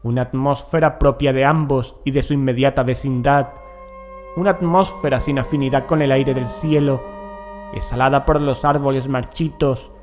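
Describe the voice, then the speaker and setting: A man's voice: mid-range voice, a little mellow. Man narrating gothic horror over music. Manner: measured, deliberate phrasing with dramatic pauses. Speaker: audiobook narrator. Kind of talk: scripted literary narration of a gothic horror tale.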